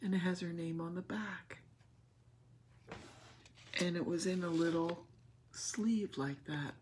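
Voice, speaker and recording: Woman, craft vlogger, unhurried, low voice, tender and emotional, casual unboxing chat. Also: a little mellow, a little hiss or hum. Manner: gushing and tender, often drops to a whisper. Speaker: craft channel host.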